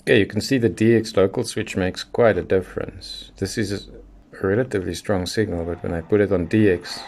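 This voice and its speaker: Low-pitched man casually demonstrating a gadget. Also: fairly even intonation, a little mellow, a little hiss or hum. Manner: unhurried, thinking aloud while handling the radio. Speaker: radio hobbyist reviewer. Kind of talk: casual unscripted product demonstration.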